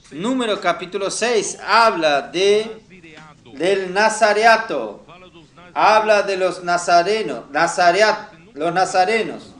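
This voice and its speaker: A man's voice: high-pitched, fairly bright tone. The man you'd hear at a youth Bible meeting, spelling out scripture very unhurriedly and quizzing his listeners, his words echoing round the room. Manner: didactic, often posing questions to listeners. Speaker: preacher. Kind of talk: teaching sermon to teenagers. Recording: roomy, echoing sound.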